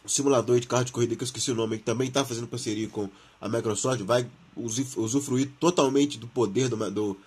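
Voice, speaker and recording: Brazilian male gaming host, informal and slangy, mid-pitched, husky from flu and a sore throat. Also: steady tone, quick pace, hardly any pauses, darkish tone. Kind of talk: casual gaming news commentary, reading and commenting on an article.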